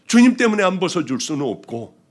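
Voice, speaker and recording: A male pastor giving a testimony sermon, telling his story with strong feeling and moving between hushed and loud passages. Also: sits high, sing-song, fast talker.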